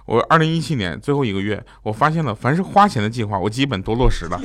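A man hosting a comedy show, telling funny family stories and acting out his shouting relatives. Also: mid-range voice, sing-song, fast talker. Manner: tells jokes and acts out shouting relatives. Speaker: comedy podcast host. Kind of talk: comic storytelling.

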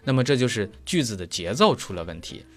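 A man's voice: lowish voice, big pitch swings, brisk, fairly bright tone, faint music behind. Man teaching German pronunciation with analogies. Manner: explains step by step with everyday analogies. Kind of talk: explanatory lesson.

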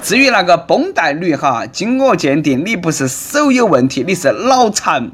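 A man's voice: sits high, big pitch swings, normal speed, a bit bright, breathy edge. Sarcastic Sichuanese man with a raised voice. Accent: Nanchong Sichuanese. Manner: sarcastic, mocking. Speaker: host. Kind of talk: comic commentary.

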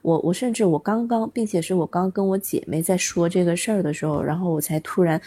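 A woman's voice: on the low side, quick pace, warm tone. A woman from Changsha, a guest on a video call, telling a rambling story with many restarts. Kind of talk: casual storytelling chat.

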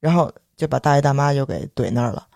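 A man's voice: mid-range voice, creaky, dry recording, studio quality. A young man, heavy erhua, telling a story in casual podcast chat. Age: young adult. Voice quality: heavy erhua, quick lively delivery. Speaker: podcast co-host.

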